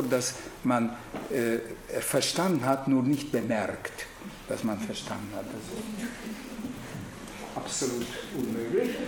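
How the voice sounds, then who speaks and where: Slow-talking Hungarian-accented man in an echoey room. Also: medium pitch, noisy background. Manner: halting, searching for words, frequent restarts. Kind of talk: reflective lecture to an audience.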